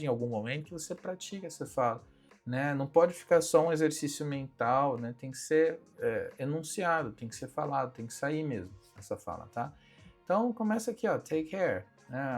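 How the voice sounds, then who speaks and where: A young Brazilian man giving a casual English lesson, chatting and repeating phrases slowly for students to copy. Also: medium pitch. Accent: Brazilian Portuguese. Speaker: English teacher. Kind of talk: casual spoken language lesson. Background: faint background music.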